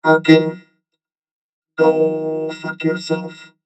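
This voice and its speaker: Slow robot vocoder drone. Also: male voice, fairly high pitch, completely flat delivery, distant mic, dull audio, over loud music. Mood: droning. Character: flat droning male robot announcer. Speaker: game streamer. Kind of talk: slow monotone robot announcing.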